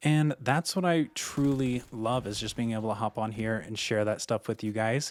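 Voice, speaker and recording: A man's relaxed tone at a moderate pace, with ordinary pitch variation and hardly any pauses, in a dry, close sound with no echo and a very clean recording with a silent background. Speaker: YouTube commentary creator. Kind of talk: casual monologue to camera. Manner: relaxed, chatty.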